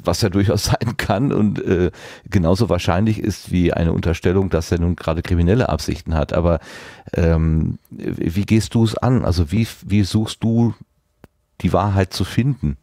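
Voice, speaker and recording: Deep-voiced man hosting, mellow and close. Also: normal speed, gravelly, dry recording. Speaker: podcast host interviewing a guest. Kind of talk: conversational interview.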